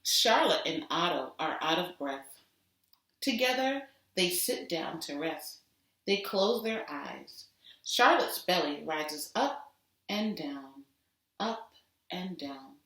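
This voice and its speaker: Woman, teacher reading to children, slow and deliberate, slightly low bright voice, expressive storybook delivery. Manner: deliberate, dramatic emphasis on sound words. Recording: roomy echo, distant microphone.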